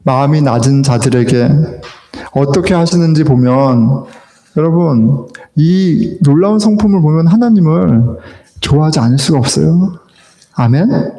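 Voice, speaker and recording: A man preaching a sermon as pastor, lively, acting out little dialogues and laughing now and then. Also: a little high, measured pace. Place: church sanctuary. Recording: echoey church hall.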